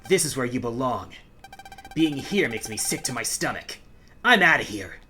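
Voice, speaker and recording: A woman's voice: a bass voice, big pitch swings, normal speed, sharp tone, slight background noise, heavily acted. A woman voicing an aloof, scornful teenage loner boy in a game story, with a curt, cold, dismissive manner. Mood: cold, bitter.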